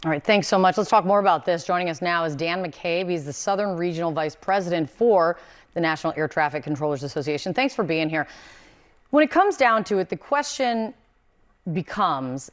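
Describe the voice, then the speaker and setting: A woman's voice: lowish voice, expressive, moderate pace. A woman anchoring a live TV news interview, putting pointed questions to a guest in a conversational way.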